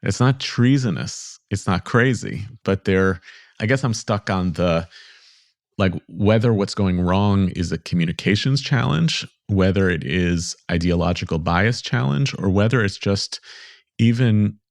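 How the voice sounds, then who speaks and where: A man's voice: sits low, lively intonation, measured pace, no echo, studio quality. A man hosting a podcast interview, asking thoughtful, probing questions in a conversational way. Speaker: podcast host.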